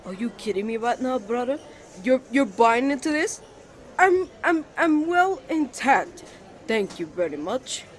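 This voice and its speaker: A man's voice: very high voice, big pitch swings, a little slow, voice pushed up, heavily acted. A man playing a hot-tempered, easily flustered young twin brother in a romantic roleplay, stammering and indignant as he bickers. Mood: exasperated. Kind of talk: romantic ASMR roleplay acting.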